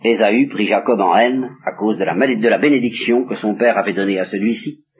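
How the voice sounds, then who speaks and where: On a dull, lo-fi 1960s tape, a Bible teacher reads a story aloud to his listeners and keeps pausing to explain it. His voice is lowish and breathy-edged, a little fast, and he shifts it slightly when reading quoted speech.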